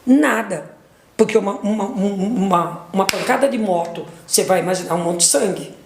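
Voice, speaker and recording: A woman's voice: medium pitch, fairly quick, reverberant, slight background noise. A middle-aged woman giving an emotional personal testimony, retelling what everyone said in long runs of dialogue, with restarts and fillers. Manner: retells dialogue with repeated 'aí eu peguei e falei', restarts and fillers.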